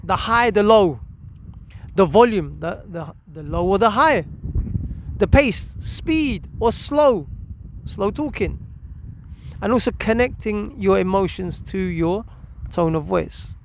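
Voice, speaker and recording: Speaking slowly and pausing often, a parenting coach gives direct instruction in a video, repeating key words for emphasis and asking rhetorical questions. His voice sits high with lively intonation, and there's slight background noise.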